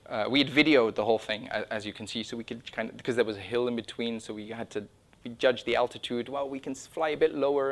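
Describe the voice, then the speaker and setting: A middle-aged man presents to a room in an informal, conversational way. His voice sits at a medium pitch, and he often breaks off and rephrases as he explains his work. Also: a bit bright. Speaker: speaker presenting his own drone project. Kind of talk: informal conference-style talk with slides. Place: indoor meeting room or small lecture room.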